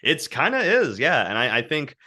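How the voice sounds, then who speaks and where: A man who works as a voice actor, chatting as a guest and telling animated stories about his work. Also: medium pitch, moderate pace. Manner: animated, anecdotal storytelling. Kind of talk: casual interview chat.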